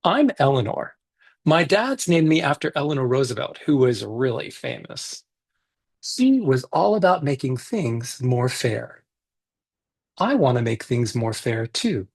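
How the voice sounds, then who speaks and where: A man, a children's author, reading his picture book aloud in a lively, expressive way over a video call. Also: medium pitch, measured pace, gravelly, slightly rough.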